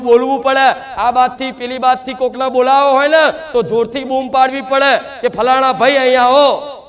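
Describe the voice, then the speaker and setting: A man's voice: very high voice, a bit bright. A man delivers a devotional sermon in the first person as the mother goddess. He preaches earnestly and keeps asking rhetorical questions.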